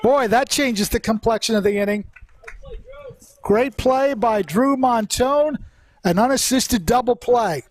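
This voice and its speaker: A man's voice: very high voice, a little slow. A man doing live play-by-play commentary of a baseball game in a conversational manner.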